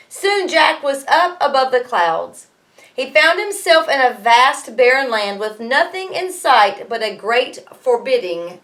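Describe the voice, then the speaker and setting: A woman teacher reading a storybook aloud to students in an expressive way, pausing to explain things. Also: fairly high pitch.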